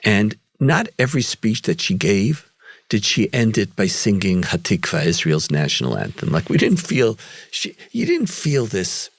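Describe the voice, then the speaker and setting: A man's voice: on the low side, huge pitch swings, moderate pace, no room sound. A man hosting a podcast discussion, talking earnestly and asking questions. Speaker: podcast host.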